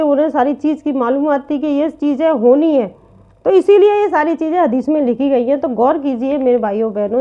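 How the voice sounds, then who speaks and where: A woman's voice: high voice, a little mellow, highs cut off. A woman giving an informal religious talk to online viewers, urging her listeners earnestly and repeating her points. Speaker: religious speaker.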